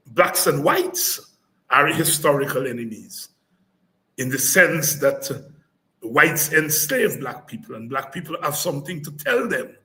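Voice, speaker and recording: A man from Guyana with a high voice delivers an impassioned political address. A podcast host and political speaker, he is fiery and declamatory, repeating phrases for emphasis and breaking into shouts.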